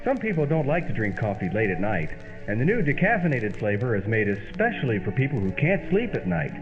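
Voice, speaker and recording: A man playing an emphatic, declamatory amateur sleuth and pitchman in an old-time radio comedy. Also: big pitch swings, a little fast, highs cut off, music in the background, natural voice. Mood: sales-pitch polish.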